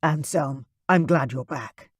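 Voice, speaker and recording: A man voicing a weary male family doctor who speaks gravely and calmly in an audiobook. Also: on the high side, a little slow, dry recording, studio quality.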